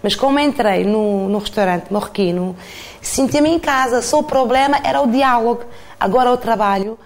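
Gravelly woman. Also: a little high. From Morocco. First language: not Portuguese. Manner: simple phrasing with pauses and restarts. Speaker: restaurant cook. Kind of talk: interview testimony.

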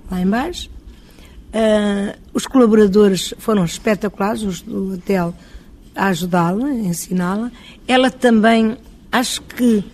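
A woman's voice: medium pitch, darkish tone. A woman with a European Portuguese accent, a hotel owner, talking in an interview in a chatty way, thinking aloud and quoting her own past dialogue.

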